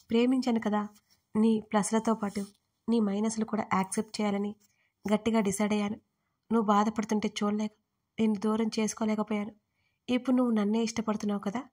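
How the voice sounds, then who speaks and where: Woman reading the part of a jealous young lover man, accusing, forceful, flat even delivery, audio story. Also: mid-range voice, natural voice. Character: possessive, angry young male lover.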